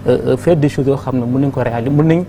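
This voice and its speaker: A man's voice: medium pitch, very fast, dark tone. Hesitant Senegalese man, noisy studio. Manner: hesitant, repeats words, frequent fillers. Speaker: guest, economist and consultant. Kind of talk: TV studio interview. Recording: clear background noise.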